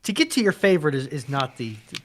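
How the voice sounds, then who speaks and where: A man's voice: a little high, big pitch swings, fast, fairly bright tone, slight background noise. A man co-hosting a livestream in casual banter, with a wry, teasing way of talking. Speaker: co-host on a livestream.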